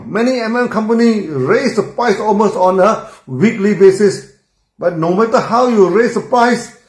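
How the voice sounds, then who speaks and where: A man recounts his company's history as an earnest first-person story, often adding tag questions and small asides. His voice sits high for a man. The recording has a roomy echo around it.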